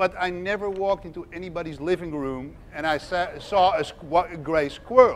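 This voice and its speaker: Over light background noise, a man talks at a moderate pace in a high voice. His pitch varies in an ordinary way. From Netherlands, Amsterdam. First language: Dutch. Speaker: natural history artist; speaker. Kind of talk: seminar talk. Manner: halting. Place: hall.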